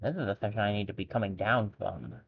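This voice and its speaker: A gravelly, breathy-edged man with a lowish, expressive voice talks fast as he streams a video game. His casual let's-play commentary is full of spoken-aloud thoughts and wry jokes at his own expense, captured with tinny, phone-like audio.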